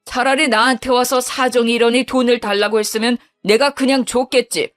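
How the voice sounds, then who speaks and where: A woman's voice: a little high, fairly even intonation, brisk, soft background music, pitched above the performer's own voice, natural voice. Woman voicing a firm, commanding older father-in-law figure for a narrated story. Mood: stern. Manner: stern, commanding.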